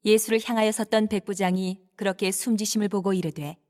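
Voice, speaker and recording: A woman narrates a dramatized scripture text. Her pitch sits in the middle for a female voice. She reads in a measured way and enunciates each phrase. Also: steady tone, darkish tone.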